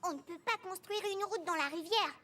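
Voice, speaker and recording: A performer voicing a curious, gentle four-year-old boy in a French children's cartoon, earnest and simply worded. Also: very high-pitched, brisk. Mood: eager. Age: young child figure. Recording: music behind the voice.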